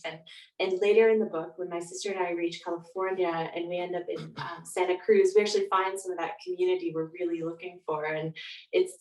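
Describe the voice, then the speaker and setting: A woman giving a thoughtful, halting interview as a guest, reflecting in a conversational way. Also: fairly low pitch. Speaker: podcast guest, author. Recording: roomy echo, distant from mic.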